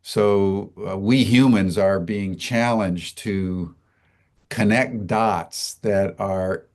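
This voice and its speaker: A man hosting an interview, speaking slowly and haltingly with frequent fillers and restarts. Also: on the low side, fairly even intonation, a little mellow. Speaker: host. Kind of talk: slow, hesitant interview talk.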